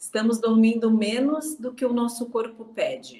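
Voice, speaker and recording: Somewhat breathy and fairly high in pitch, a woman talks at a fairly slow pace in a dark, mellow tone. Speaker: YouTube show host. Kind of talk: interview.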